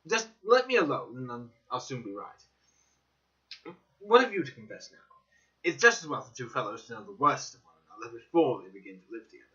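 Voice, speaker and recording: Eccentric male sleuth as a man reads him: bright, keen, theatrical, swinging emphasis, audiobook drama. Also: medium pitch, sing-song, moderate pace. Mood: brisk, frank. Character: eager, excitable, eccentric young male scientist-detective. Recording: dull, slightly lo-fi recording.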